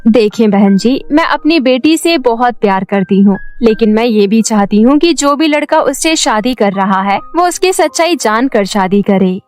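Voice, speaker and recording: A woman voicing a scheming middle-aged stepmother in an animated moral story, sugary and insinuating, full of false concern. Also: on the high side, normal speed, hardly any pauses, faint music behind, lightly acted.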